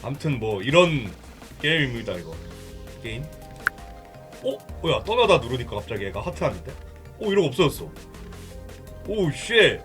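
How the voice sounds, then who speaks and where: A man's voice: medium pitch, big pitch swings, moderate pace, pauses often, fairly bright tone, soft background music. A man live-streaming, chatting casually about a game in a teasing, joking manner with crude slang. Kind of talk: casual chat while showing a game.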